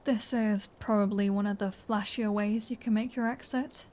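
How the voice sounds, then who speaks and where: A woman's voice: medium pitch, steady tone, normal speed, darkish tone, natural voice. A woman voicing a flirty, menacing vampire in an intimate ASMR roleplay, teasing and sardonic, often slipping into a whisper. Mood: wry, fond. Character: flirty, menacing female vampire taunting her captive hunter.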